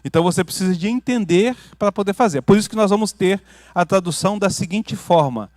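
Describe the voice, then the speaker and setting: Earnest Brazilian pastor, dry close sound. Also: male voice, sits high, quick pace, no echo. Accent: Brazilian Portuguese. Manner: earnest, swings from loud emphatic build-ups to quiet asides; checks in with the audience often. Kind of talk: teaching sermon with questions to the congregation. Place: church hall.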